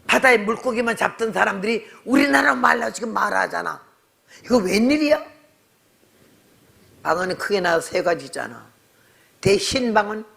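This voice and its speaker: A woman's voice: mid-range voice, creaky, fairly bright tone. An older woman missionary preaching a sermon, telling a story in a blunt, scolding way. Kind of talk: sermon with testimony.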